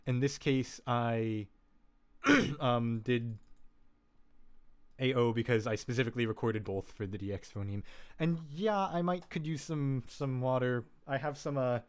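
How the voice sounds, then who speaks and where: A man's voice: medium pitch, a little slow, clean tone. A man hosting a casual live-stream tutorial, rambling and correcting himself with lots of "um" and "like", with jokey asides. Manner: laid-back, jokey asides. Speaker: live-stream host teaching vocal synth tuning. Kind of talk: casual technical walkthrough.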